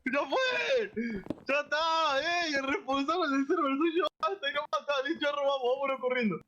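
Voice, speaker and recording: A young man chats through a live game. His voice sits extremely high for a man and has a bright, forceful edge. He is excitable and insistently repeats himself. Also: moderate pace, dull audio, a little hiss or hum. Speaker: gaming streamer. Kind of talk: casual live gaming chat.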